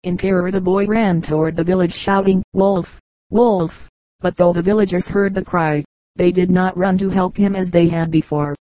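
A woman reading fables aloud in a measured, even storybook narration. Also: fairly low pitch, dry recording, low-quality recording. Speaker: audiobook reader.

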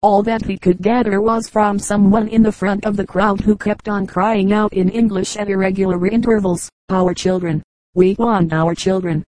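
A woman reading a novel aloud in a steady, measured narration. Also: mid-range voice, no room sound, rough recording. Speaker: audiobook reader. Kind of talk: scripted narration.

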